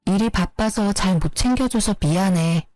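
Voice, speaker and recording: A woman voicing a defensive young husband who answers flatly and matter-of-factly, in a storybook drama. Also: mid-range voice, normal speed, no room sound, faint music behind, natural voice, rough recording. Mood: placating. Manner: flat, matter-of-fact replies.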